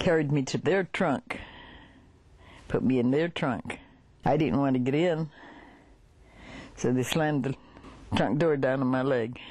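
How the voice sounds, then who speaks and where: A woman with a very deep, low pitch, very even loudness and ordinary pitch variation, fairly slow with long, frequent pauses, over a quiet background. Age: 80s+. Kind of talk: interview answer. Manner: feisty.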